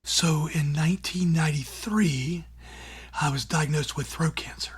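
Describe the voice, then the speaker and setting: A middle-aged man who hosts a radio show, answering interview questions in a breathy, raspy, near-whispered voice, earnest and plainspoken with casual fillers. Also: a little high, unhurried. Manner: earnest and plainspoken, with many "you know" and "like" fillers. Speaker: radio show host and former newspaper columnist.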